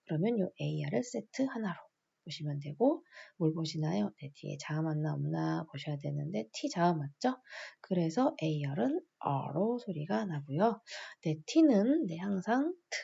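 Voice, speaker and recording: Gravelly-voiced woman teaching phonics. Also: low voice, sing-song, moderate pace, mellow, lo-fi sound. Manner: patient, repeats each rule and asks the viewer small questions. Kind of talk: spelling out words step by step for adult learners.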